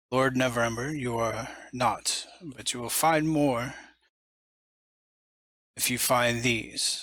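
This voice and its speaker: A man puts on a character voice at a medium pitch. He speaks at a fairly slow pace, with long, frequent pauses. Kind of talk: formal, cryptic. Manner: eerie, otherworldly.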